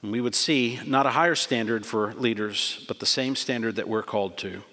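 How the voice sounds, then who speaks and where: A man's voice: on the low side, moderate pace, sharp tone. A middle-aged man preaching earnestly from a church pulpit, closing with a prayer. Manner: earnest, emphatic preaching with repeated phrases. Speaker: pastor. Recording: long church hall reverb.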